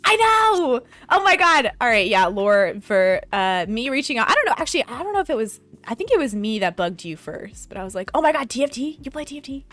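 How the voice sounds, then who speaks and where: A woman's voice: on the high side, sing-song, fairly quick, few pauses, fairly bright tone, no room sound. A young adult woman with an American accent hosting a casual chat show, bubbly, giggly and playful. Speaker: host. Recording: faint background music.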